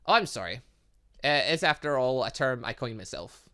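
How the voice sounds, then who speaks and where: A man voicing a formal, polite older male scientist from a visual novel, explaining things in a halting, measured way. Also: mid-range voice, expressive, pushed and bright. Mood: polite, explanatory. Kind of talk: reading visual novel dialogue.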